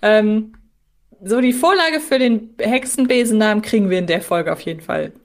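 A woman's voice: mid-range voice, normal speed. A woman co-hosting a podcast, chatting casually and reflectively, thinking aloud as she discusses. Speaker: podcast co-host.

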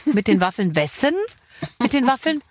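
A woman hosting a podcast, chatting casually and playfully with quick asides. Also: fairly high pitch, sing-song, dry recording. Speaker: podcast host. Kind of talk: casual chat.

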